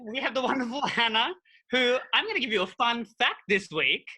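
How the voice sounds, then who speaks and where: A man's voice: extremely high pitch, lively intonation, brisk, sharp tone. A man co-hosting a podcast in casual chat, upbeat and enthusiastic. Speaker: podcast co-host.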